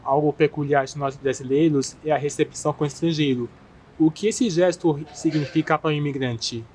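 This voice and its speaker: A man's voice: on the high side, fairly even intonation, a little fast, darkish tone, slight background noise. A man acting as interviewer, asking short, plain questions.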